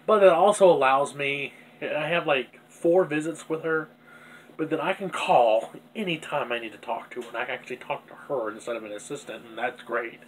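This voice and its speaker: A man of middle pitch speaks with a stuffy, congested nose, rambling through a personal video diary. His talk is candid and self-critical, full of restarts. A faint hum sits behind him. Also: normal speed, rough recording. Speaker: vlogger.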